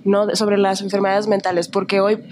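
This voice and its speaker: A young woman from Tijuana with a northern Mexican accent, a musician guesting on a podcast, bubbly and quick to laugh. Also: mid-range voice, flat delivery, noisy background. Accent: northern Mexican Spanish (Tijuana). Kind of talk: casual interview chat.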